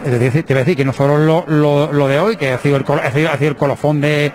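A middle-aged man, a local TV reporter asking questions quickly and restarting often, holding a handheld mic inside a chapel. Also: a little high, steady tone, darkish tone. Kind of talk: interview questions. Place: inside a small chapel by the altar.

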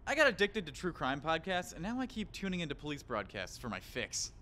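A man's voice: on the high side, wildly swooping pitch, a little fast, bright, forceful tone, slight background noise, exaggerated voice. A man playing a shifty driver in casual audio drama dialogue, offhand and evasive. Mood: sheepish, offhand. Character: shifty male driver hooked on police broadcasts.

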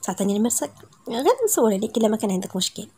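Moroccan woman voicing a caring young man, calm, gentle delivery, storybook reading, husky tone, quick pace. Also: fairly high pitch.

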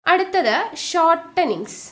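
A woman teacher with a Malayali accent giving a recorded exam-prep lesson, asking questions and answering them herself, and repeating key terms slowly. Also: very high-pitched, lively intonation.

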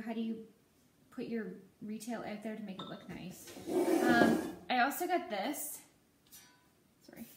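A nail technician and salon owner in her thirties films a casual shopping-haul vlog in her living room, rambling with lots of ums in a slightly high voice. A camera mic at table distance picks her up, with room echo and clear background noise.

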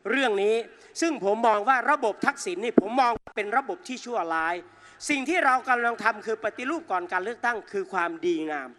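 A man's voice: extremely high pitch, pushed and bright. A man giving a fiery, mocking political speech on an outdoor rally stage, speaking into a stage microphone and addressing the crowd directly. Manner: combative, mocking, addresses the crowd as brothers and sisters.

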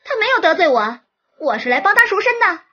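A woman voicing an arrogant young noblewoman disguised as a boy, shouting haughtily. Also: very high-pitched, big pitch swings, fairly quick, dull audio, voice pushed up, full character voice. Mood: haughty.

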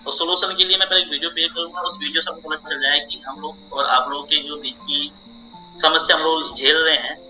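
A man's voice: a little high, fairly even intonation, brisk, bright, forceful tone, soft background music, rough recording. A young man hosting an online meeting, explaining to a group over a video call with a repetitive, persuasive manner.

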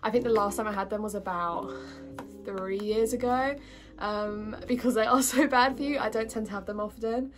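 A young British woman chatting casually to her viewers in a bubbly, informal way, with a slightly husky voice from a cold. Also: medium pitch, steady tone, normal speed, faint music behind. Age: young adult. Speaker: vlogger. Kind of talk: casual chatty haul vlog.

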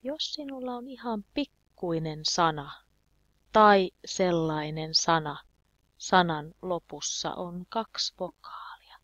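A woman teaching a beginner language lesson, speaking deliberately and repeating simple example phrases. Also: on the low side, fairly bright tone, no echo, muffled recording.

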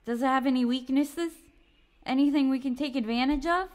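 A woman's voice: high voice, fairly quick, natural voice. A woman playing a resourceful, sarcastic young companion in an audio drama, casual and sardonic. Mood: exasperated.

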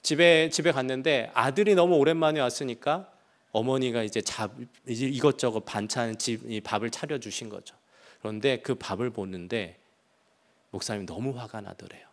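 A man preaching a sermon, telling a story and acting out the quoted voices with sudden loud outbursts and soft, hushed passages. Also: mid-range voice, moderate pace. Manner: acts out quoted speech with sharp swings in loudness; drops to soft, hushed tones for tender passages. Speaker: pastor.

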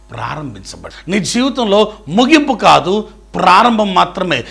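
A male pastor preaching a sermon, swinging between loud declarations and hushed pleading, and speaking straight to the listener as a dear friend. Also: sits high, breathy edge.

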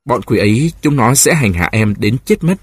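A man reads as a young male prisoner, gentle and troubled, speaking tenderly with a husky voice. The reading is dry and close. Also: medium pitch, animated, normal speed, no room sound. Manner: tender, hesitant.

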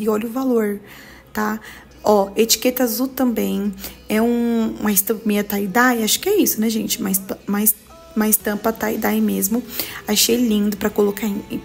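A woman's voice: on the high side, creaky, a little mellow. A young woman, chatting enthusiastically to viewers on a thrift-shopping tour vlog, filmed on a handheld phone in a big parking-garage bazaar. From Brazil. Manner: chatty, enthusiastic, talks straight to viewers with frequent "gente" and "tá?". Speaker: vlogger.

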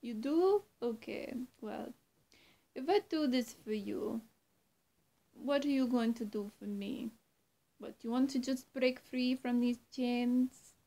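Young woman, vampire roleplay, slightly high voice, creaky, halting, coaxing and menacing, whispery dips. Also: warm tone. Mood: coaxing, secretive. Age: young adult. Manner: slow, halting, often dropping to a whisper. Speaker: roleplay performer. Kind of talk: in-character vampire roleplay to the listener. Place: small room indoors.

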